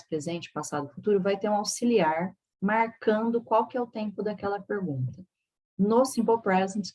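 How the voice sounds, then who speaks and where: Husky Brazilian teacher explaining patiently. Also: female voice, mid-range voice, a little mellow, poor audio. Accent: Brazilian Portuguese. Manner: explains slowly, stressing English words and checking with "tá?". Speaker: English teacher. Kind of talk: recorded classroom lesson.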